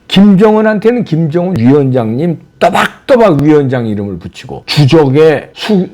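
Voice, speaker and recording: A man's voice: on the high side, mellow. A man hosting a solo political commentary, combative and mocking, firing off rhetorical questions. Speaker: political commentary channel host.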